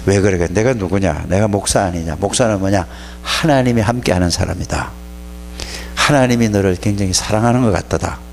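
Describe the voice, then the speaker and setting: Scolding his young congregation in plain language, a pastor tells stories during an animated sermon. He talks fairly quickly in a low, creaky voice, and there is slight background noise.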